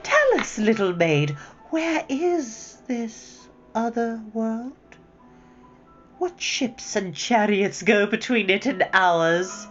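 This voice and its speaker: A woman reading a story aloud, voicing a coaxing, half-mocking enchantress queen in a high, slow, lilting voice. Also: sing-song, lo-fi sound, soft background music.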